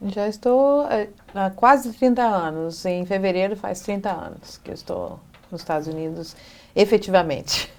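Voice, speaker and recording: A middle-aged woman from Brazil is answering questions as a guest on a TV interview. Her voice sits at an ordinary middle pitch. She speaks thoughtfully and often pauses mid-sentence to find the right word. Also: animated. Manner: thoughtful, pauses to search for words. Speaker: interview guest, educational psychologist.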